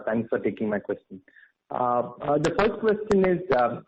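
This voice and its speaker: A man asking questions as an analyst on an earnings call, polite and very halting as he builds each question. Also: mid-range voice. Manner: very hesitant, halting, polite phrasing. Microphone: phone. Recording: dull phone line with faint noise.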